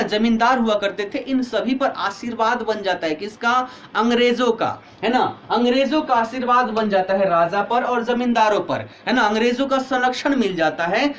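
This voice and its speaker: A man's voice: very high voice, lo-fi sound, a little hiss or hum. A male teacher giving an online exam-prep history lecture, explaining step by step and asking students questions, tired with a headache.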